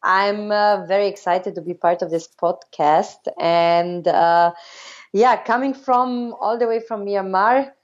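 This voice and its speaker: A woman in her thirties recounts her path abroad in a relaxed, conversational way, stopping often to restart her sentences and fill pauses. Her voice sits at a middle pitch. The audio is somewhat dull and lo-fi. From Austria. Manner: halting, many fillers and restarts. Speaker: podcast guest. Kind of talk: casual interview storytelling.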